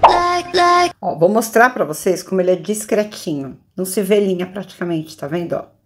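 Against a quiet background, a woman speaks in an animated tone. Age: 50s. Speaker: beauty vlogger and aesthetician; beauty vlogger. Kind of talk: beauty tutorial. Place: home room.

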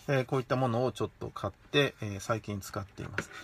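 Moving at a fairly quick pace, a man speaks with a bright, sharp tone in a dry sound with no echo. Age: 40s. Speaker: internet business analyst; live streamer. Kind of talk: live stream talk. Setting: live video stream. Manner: many filler sounds. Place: home room. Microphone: phone near.

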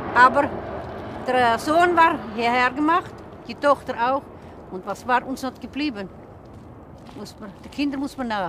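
High-pitched speech from a woman with lively intonation, big swings in loudness and long, frequent pauses over noticeable background noise. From Russian-German village in Siberia, Omsk region. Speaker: Russian-German immigrant pensioner. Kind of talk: street interview. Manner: halting.

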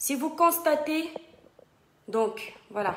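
A woman at a very slow pace amid light background noise and audible room echo. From Cameroon. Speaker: social media activist; online commentator. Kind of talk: livestream commentary; impassioned live commentary. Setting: Facebook live video. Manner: impassioned. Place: kitchen. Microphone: phone near.

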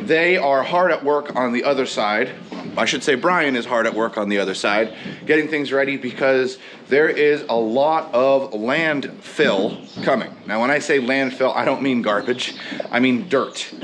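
Against noticeable background noise, a man speaks at a moderate pace with ordinary pitch variation and very even loudness. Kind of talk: casual vlog chat. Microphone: phone near.

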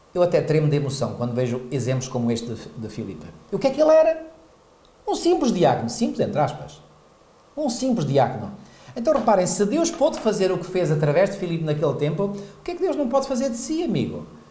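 Amid audible room echo, a man speaks very fast at a high pitch, swinging very widely between highs and lows. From Mozambique. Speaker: pastor. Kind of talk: Bible study discussion. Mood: emotional, fervent. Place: studio. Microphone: lapel.

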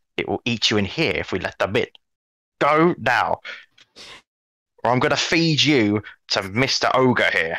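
A man puts on a gruff character voice at a medium pitch and a moderate pace, with long, frequent pauses. The recording is very clean, with a silent background.

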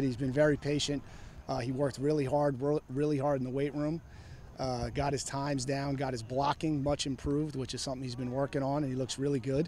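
A man's fairly high-pitched voice with a dark, mellow tone, fairly even intonation and a fairly quick pace, in dry sound with no echo over light background noise. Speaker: high school football coach. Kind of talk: interview. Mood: calm, measured. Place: stadium.

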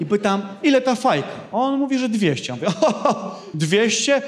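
A high-pitched man in a Polish accent, with lively intonation. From Poland. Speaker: stand-up comedian. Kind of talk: stand-up comedy routine with audience. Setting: stage with audience. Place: stage. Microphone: handheld.

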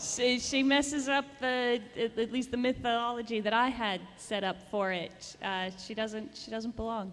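A woman talks in an unremarkable speaking voice at a fairly high pitch. Her pitch varies in an ordinary way, and she leaves hardly any pauses. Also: fairly slow pace. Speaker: animator and cartoon creator. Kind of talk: panel answer to fan question. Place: hall.

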